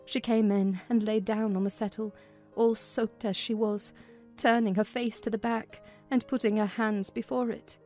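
A woman's voice: a little high, level tone, moderate pace, warm tone. A woman reading literary narration as a dramatized audiobook. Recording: music behind the voice.

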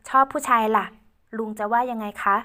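A woman's voice: fairly high pitch, fairly quick, pushed and bright. A woman doing a bold, teasing young tomboy. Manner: teasing and direct.

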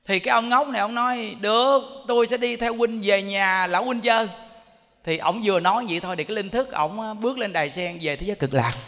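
High bright-voiced monk preaching in a hall. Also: male voice. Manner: lively storytelling, often asks the audience questions. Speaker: Buddhist monk teaching. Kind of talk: sermon. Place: temple hall. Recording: echoey hall.

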